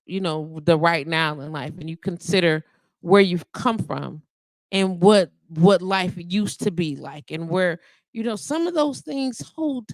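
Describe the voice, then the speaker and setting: A woman's voice: lowish voice, dry recording. A woman in her forties hosting a live radio show, talking casually and rambling with asides and laughs into a studio microphone. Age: 40s.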